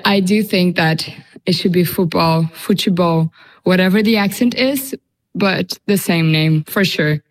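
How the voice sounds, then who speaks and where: A woman's voice: on the low side, measured pace, low-quality recording. A young woman from Brazil, speaking in a matter-of-fact way. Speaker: intern.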